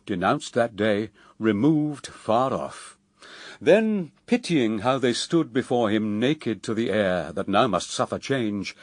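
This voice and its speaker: An actor reading as the poet, narrating epic verse for radio drama in a solemn, declamatory, measured way. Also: male voice, mid-range voice, no room sound, clean studio sound.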